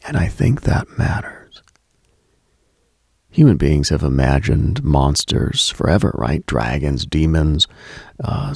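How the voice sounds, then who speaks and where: A man hosting a late-night mystical radio show, delivering a hushed, solemn, dramatic monologue with deliberate pauses in a gravelly, husky voice. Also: a bass voice, no room sound, clean studio sound. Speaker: radio host.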